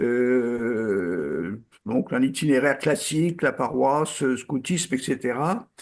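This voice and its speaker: A man speaks at a very slow pace in a medium pitch. His loudness is very even, and the background is quiet. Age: 80s+. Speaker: Dominican priest and meditation teacher. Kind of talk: interview. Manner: halting.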